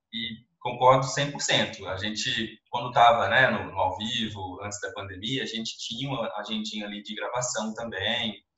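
Speech at a moderate pace with hardly any pauses shows big swings in loudness and audible room echo. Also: man, medium pitch for a man. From Brazil. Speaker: YouTube host; channel host interviewer. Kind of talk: interview. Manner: animated. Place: home room. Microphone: video call.

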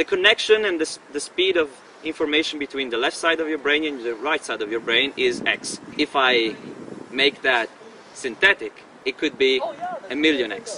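In an Italian accent, the speaker moves at a moderate pace with lively intonation, the sound dry with no echo over light background noise. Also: man, fairly high pitch for a man. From Italy. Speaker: futurist author; interviewee. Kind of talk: interview; interview answer. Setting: research center. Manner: halting. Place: street.

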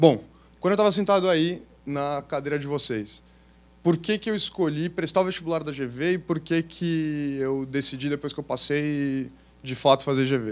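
He speaks at a moderate pace, his pitch fairly high with ordinary variation. The man has a plain, everyday voice. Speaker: lawyer, alumnus; speaker. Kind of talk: talk to prospective students. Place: classroom. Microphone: handheld.

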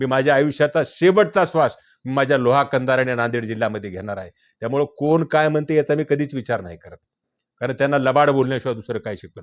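A man's plain, everyday voice at medium pitch, with lively intonation against a quiet background. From Nanded district, Maharashtra, India. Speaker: politician. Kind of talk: interview. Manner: forceful.

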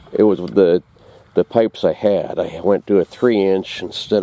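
Over noticeable background noise, a man with a fairly low pitch speaks in a dry sound with no echo. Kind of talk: casual vlog chat. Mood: relaxed, wry. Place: farm machine. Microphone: phone near.

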